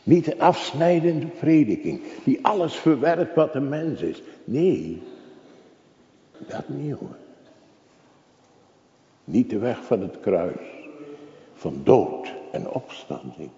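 A man's voice: medium pitch, expressive, takes it slowly, pauses often, warm tone. An older man preaching a sermon in a church, dramatic and full of rhetorical questions to the congregation. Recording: echoey, dull church recording.

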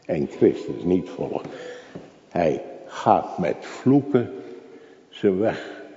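A man's voice: deep voice, very animated, drawn-out words, dark tone. An older man preaching a sermon in a church, dramatic and full of rhetorical questions to the congregation. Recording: echoey, dull church recording.

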